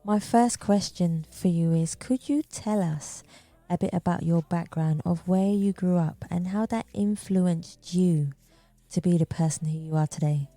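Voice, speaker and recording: A woman's voice: lowish voice, measured pace, dark tone, no echo. A woman hosting a podcast, giving an introduction and putting questions to a guest. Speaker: podcast host. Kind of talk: scripted introduction and interview questions.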